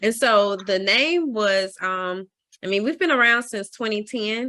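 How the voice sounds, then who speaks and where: Bright and sharp in tone, a woman with a Southern US accent speaks at a fairly high pitch with ordinary pitch variation. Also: fairly slow pace. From US South, Mississippi. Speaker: magazine founder and CEO. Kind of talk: casual interview.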